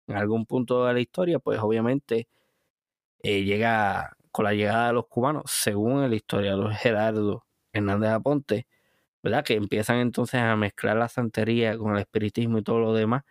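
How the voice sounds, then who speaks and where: A male podcast host with a Puerto Rican Caribbean Spanish accent speaks in a smooth, clear voice. His delivery is casual but emphatic, addressed straight to the listener. The sound is dry and close, with very little room. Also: lowish voice, fairly even intonation, moderate pace, no room sound. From Puerto Rico. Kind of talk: casual podcast monologue recapping episodes.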